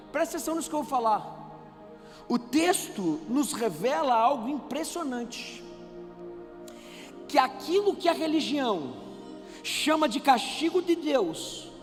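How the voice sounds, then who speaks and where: A man with a Brazilian Portuguese accent preaching a sermon, animated and conversational, asking the congregation rhetorical questions. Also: very high voice. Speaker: pastor. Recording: reverberant church hall with faint music.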